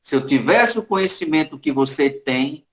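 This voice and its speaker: A man voicing a gentle, sorrowful young male spirit. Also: on the high side, lively intonation, normal speed, reverberant, voice pushed down, lightly acted, poor audio. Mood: soft consoling. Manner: soft, consoling, pleading.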